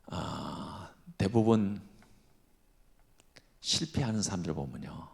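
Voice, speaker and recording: A senior pastor, an older man, preaching a sermon with dramatic swings between loud cries and hushed whispers. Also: sits low, slow pace, gravelly.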